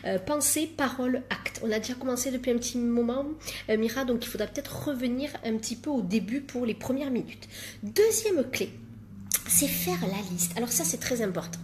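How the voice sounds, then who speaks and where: Woman life coach, emphatic and self-mocking, live-stream talk, slightly high pitch. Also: lively intonation, moderate pace, a little mellow, a little hiss or hum. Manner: emphatic, repeats words for stress, jokes at herself.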